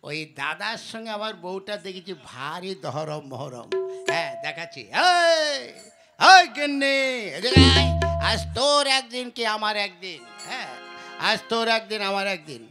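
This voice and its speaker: A woman's voice: fairly low pitch, voice pushed down. A woman voicing a hot-tempered, jealous husband back from abroad who blusters and accuses in a puppet-show cartoon. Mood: shouting.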